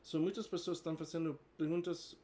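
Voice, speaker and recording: Talking to camera in a relaxed bilingual way, a forty-something vlogger from the US switches between English and hesitant Portuguese, filling gaps with ums and uhs. His voice sits on the high side, mellow and steady in tone, and he moves fast.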